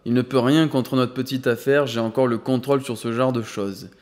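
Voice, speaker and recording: Un vieux patriarche fortuné, exalté et malicieux, lu par un homme, parle avec emphase et fermeté. Sa voix, d'une hauteur moyenne, résonne dans une longue réverbération de salle. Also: male voice, medium pitch, steady tone, normal speed, a little mellow, close to an everyday voice. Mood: jovial. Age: older. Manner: enthusiastic, emphatic, playful. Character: exuberant elderly rich grandfather, suddenly generous. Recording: long hall reverb.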